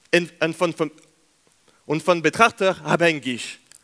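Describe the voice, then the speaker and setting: Against a quiet background, a man with a high, bright, sharp voice speaks very slowly. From France. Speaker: physics doctoral student. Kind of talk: science slam talk. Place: stage.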